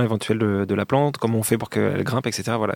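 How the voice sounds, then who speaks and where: Using a normal speaking voice, a man talks at a fairly quick pace and a medium pitch with ordinary pitch variation. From northern France. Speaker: podcast host. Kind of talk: interview.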